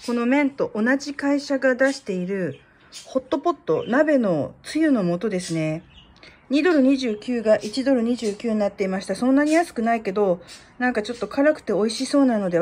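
A woman's voice: on the high side, darkish tone. A middle-aged woman vlogger narrating casually in a matter-of-fact, conversational way, as in a shopping haul.

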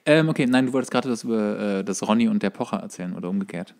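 A man's voice: on the low side, lively intonation, racing, a little mellow. Wry man spinning casual anecdotes. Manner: wry, storytelling with dramatic build-up. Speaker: podcast co-host.

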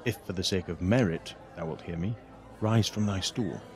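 Low-voiced scheming pirate captain played by a man. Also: normal speed, faint music behind. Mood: urgent. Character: scheming, bitter pirate captain urging treachery on his lord. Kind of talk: Shakespearean audio drama acting.

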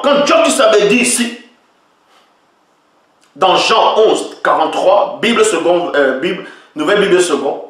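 A man's voice: sits high, fairly bright tone. Emphatic male preacher in a very echoey room. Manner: emphatic, repeatedly asks listeners if they follow. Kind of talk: sermon-style teaching. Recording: very echoey room, voice far from mic.

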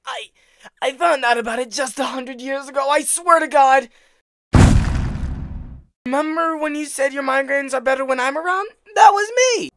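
A man's voice: extremely high pitch, moderate pace, long pauses, a bit bright, no echo, clean studio sound. A man voicing a cowardly, doting devil husband in a comic dub, stammering and pleading in panic. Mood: panicked pleading.

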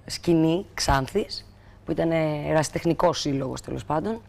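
A woman's voice: sits low, gravelly, a little mellow. A woman from Greece, a talk show guest, telling anecdotes dramatically and acting out the people in them. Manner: dramatic, acts out the people in her stories.

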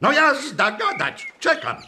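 An actor playing a pompous, strict and pedantic schoolteacher in a radio drama, lecturing callously. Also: male voice, very high-pitched, huge pitch swings, slow, noisy background, heavily acted. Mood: stern, indignant.

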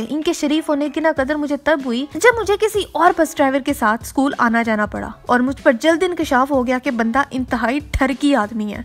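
A young woman telling comic school memories as a YouTuber, sarcastic and quick with exaggerated asides, in a voice-over. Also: high-pitched. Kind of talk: comedic storytelling monologue. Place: voice-over over gameplay footage.

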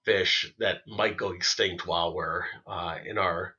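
A man talking casually as a podcast guest, soft-spoken and halting, with many fillers. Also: sits low, fairly even intonation, muffled recording. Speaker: guest musician and writer.

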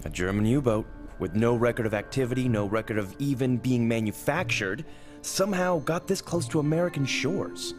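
A man's voice: mid-range voice, moderate pace, natural voice. An actor playing a wary, stubborn male wreck diver in a motion comic, speaking in a terse, skeptical way. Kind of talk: dramatic motion-comic acting. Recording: loud dramatic music over voice.

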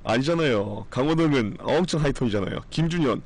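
On a live stream, a man chats ramblingly with viewers in a strained voice that's still recovering. He speaks fast, mid-range and with lively intonation, blunt and swearing now and then.

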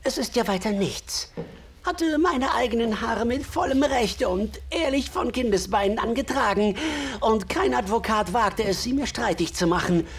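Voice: mid-range voice, expressive, moderate pace, natural voice. An actor playing a sly, jovial old male trapper in a radio drama, chuckling often and talking in a folksy, clipped way.

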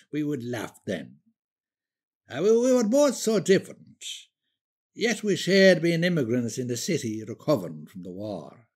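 An elderly Irishman with a husky voice and a lively, swinging delivery. He is a forgetful, wistful old builder who rambles conversationally through a radio play monologue. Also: a little high. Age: older. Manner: rambling, hesitant, conversational storytelling.

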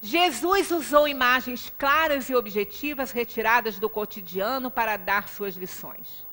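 A middle-aged woman with a Brazilian accent delivers a spiritual talk in a high, forceful voice. She takes her time, stressing points and adding little rhetorical check-ins. The sound rings with long room reverberation. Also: unhurried. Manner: emphatic, with frequent rhetorical tag questions. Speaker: lecturer at a Spiritist center. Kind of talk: religious lecture, explanatory and conversational. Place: small indoor lecture room. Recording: reverberant meeting room, distant microphone.

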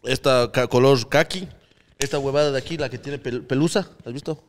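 A man's voice: medium pitch, a little fast, a little hiss or hum. A young man with an Ecuadorian Spanish accent, co-hosting a casual comedy podcast and telling stories with acted-out voices. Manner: animated storyteller, acts out friends' voices. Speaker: podcast co-host. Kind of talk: casual comedy chat among friends.

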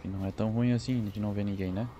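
Brief: gameplay streamer, mellow low voice, jittery self-talk, faint hiss. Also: male voice, fairly even intonation, very fast, highs cut off. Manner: nervous, talks to himself. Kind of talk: let's play commentary.

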